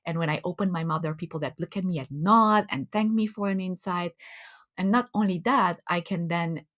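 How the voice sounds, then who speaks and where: A woman's voice: lowish voice, fairly quick, fairly bright tone. A woman from Romania with a Romanian accent, a podcast guest speaking reflectively and earnestly, often restarting phrases and laughing. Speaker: guest, community builder. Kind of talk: podcast interview conversation.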